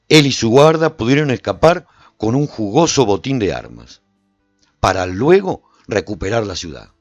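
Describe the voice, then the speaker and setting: A man playing a proud lone warrior who recounts his adventures in a theatrical, expressive first-person radio drama style. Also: mid-range voice, no room sound, natural voice. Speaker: narrator and lead actor of a radio serial.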